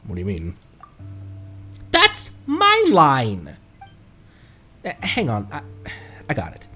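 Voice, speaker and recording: A man's voice: mid-range voice, wildly swooping pitch, slow, bright, forceful tone, slight background noise. A man chatting casually on a game livestream, playfully thinking aloud as he goes. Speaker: streamer.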